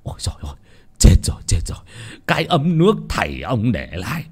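A man voicing a cruel, greedy old village chief who curses and shouts. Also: medium pitch, huge pitch swings, fairly quick, slightly rough, full character voice. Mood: raging. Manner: snarling, cursing, shouting.

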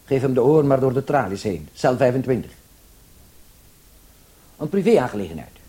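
Man playing an excitable bumbling policeman, wildly swooping delivery. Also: mid-range voice, normal speed, lightly acted. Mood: fussy, impatient. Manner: rambling, stammering, deferential, then bossy. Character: bumbling, excitable, self-important male policeman, number zero-eight. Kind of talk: Dutch radio play acting.

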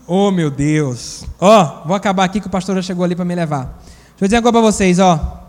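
A man preaching a sermon as pastor and psychologist, lively and acting out the voices he quotes. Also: high voice, fast talker, big-room sound. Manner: animated, acts out quoted voices.

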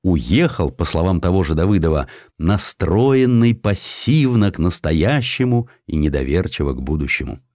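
A man reading a historical story as an audiobook narrator, in an expressive, dramatic literary style. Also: deep voice, moderate pace, no room sound, studio quality. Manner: expressive, acting out quoted dialogue.

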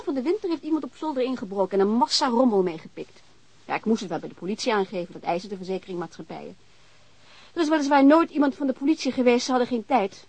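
Lively, husky, outspoken landlady. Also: mid-range voice, no room sound, rough recording. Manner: blunt, teasing, informal. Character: outspoken, unconventional landlady, informal and hospitable, wary of police. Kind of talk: naturalistic radio drama acting in Dutch.

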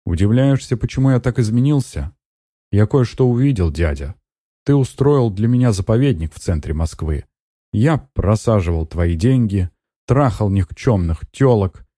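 A man's voice: fairly low pitch, lively intonation, moderate pace, warm tone, no echo, studio quality, pitched above the performer's own voice. A man voicing a sarcastic young nephew. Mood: earnest. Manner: sarcastic, needling.

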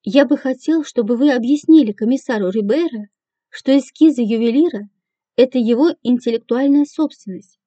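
An insistent, aggrieved jeweler man pleading his case, as a female narrator reads him. The voice stays high with a very dark, mellow timbre, in a dry, dull recording. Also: normal speed, no room sound, close to an everyday voice.

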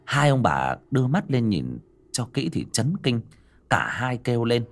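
A man's voice: medium pitch, sing-song, unhurried. A man narrating a ghost story with dramatic, swooping delivery.

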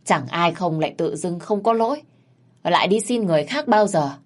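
A woman voicing a wealthy older man who speaks calmly but questions and reproves. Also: lowish voice, normal speed. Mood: skeptical. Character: wealthy older man, flustered then sharply skeptical.

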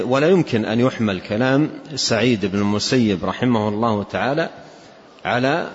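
A man giving a religious lesson as a scholar commenting on a classical text, speaking deliberately and repeating key phrases for emphasis. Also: mid-range voice. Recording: dull lo-fi recording.

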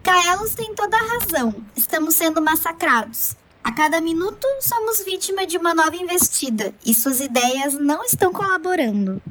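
Woman as very high-pitched haughty rival. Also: lively intonation, normal speed, hardly any pauses, a bit bright, poor audio. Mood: scornful. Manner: haughty, cutting. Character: scornful, haughty female rebel rival. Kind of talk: audio drama acting.

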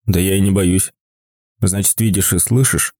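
Guy putting on a low drawly weirdo with a wild beard, gushy then cagey, dry close mic. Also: steady tone, normal speed, a little mellow, dry recording. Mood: wary. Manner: exclaims over paintings, then wary and blunt. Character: eccentric bearded man, gushing and jumpy.

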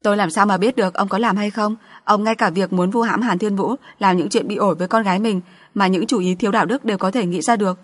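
A woman's voice: medium pitch, fairly even intonation, fast talker, close to an everyday voice. A woman voicing a bitter, desperate middle-aged wife and mother in an audiobook, ranting and accusing.

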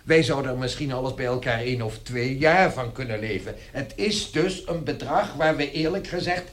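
A man acts out a middle-aged head of household in a radio play. His mid-pitched voice is measured and firm, with a resigned, practical air. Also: natural voice. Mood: grave, practical. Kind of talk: radio drama acting.

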